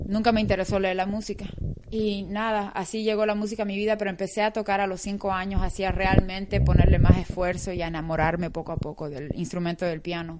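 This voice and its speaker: Very fast speech comes from a woman at a medium pitch. Her intonation stays fairly even over noticeable background noise. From Bolivia. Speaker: female boxing champion. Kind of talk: casual interview. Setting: in-person interview at home.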